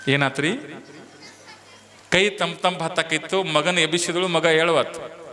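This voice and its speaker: A man telling a devotional story as a sermon, dramatic and rising into high, loud, emotional pleas. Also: steady tone, measured pace, long reverb tail. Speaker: preacher. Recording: music playing behind the voice.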